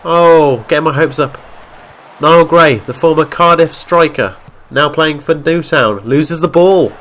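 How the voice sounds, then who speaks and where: A man with a fairly high voice and a blocked-up nose from a coming cold talks through football game highlights. He narrates each pass as it happens and raises his voice at the near misses. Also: unhurried. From Wales. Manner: excitable play-by-play, shouts at near misses. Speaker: gaming YouTuber. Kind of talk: game commentary.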